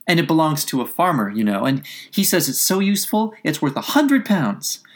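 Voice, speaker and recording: A woman's voice: deep voice, animated, moderate pace, pitched above the performer's own voice. A woman voicing a polite, chatty, curious young girl from a storybook, with an eager, earnest, apologetic manner. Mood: eager, coaxing.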